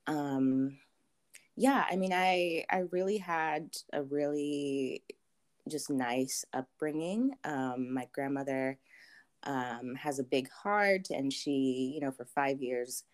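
A young adult woman from Zambia, answering interview questions thoughtfully with many pauses and ums. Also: a bass voice. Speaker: interview guest.

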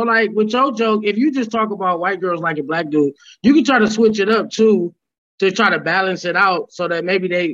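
A man, a stand-up comedian, chatting casually on a podcast in a relaxed, slangy way. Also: high voice, dry recording. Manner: relaxed slangy storytelling, laughs often. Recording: slightly dull lo-fi sound.

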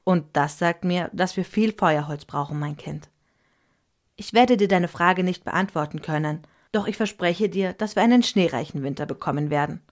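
A woman voicing a calm, wise father in a storybook, speaking patiently and reassuringly. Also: fairly low pitch, normal speed, close to an everyday voice. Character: calm wise father, middle-aged man.

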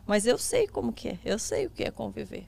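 A woman's voice: on the high side, sing-song, brisk, creaky, darkish tone. A woman interviewing a guest in casual chat, engaged and giving frequent short replies.

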